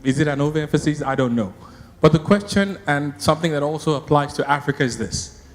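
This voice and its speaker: A man's voice: on the high side, fast. A man from Canada in the audience, asking probing questions at a conference. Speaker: audience member. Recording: echoey conference hall.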